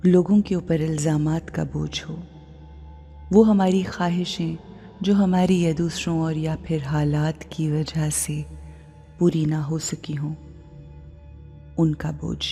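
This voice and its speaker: Very slow, low-voiced South Asian woman meditation guide. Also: little pitch movement. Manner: soothing, hushed, with long pauses. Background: faint music.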